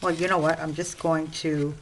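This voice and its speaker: A woman with an Italian-American accent hosting a casual craft tutorial at her home desk, chatting and explaining as she cuts and works, clearing an itchy throat now and then. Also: deep voice, little pitch movement, moderate pace, a little hiss or hum, rough recording. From Sicily. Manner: chatty, explaining while working with hands. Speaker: craft channel host.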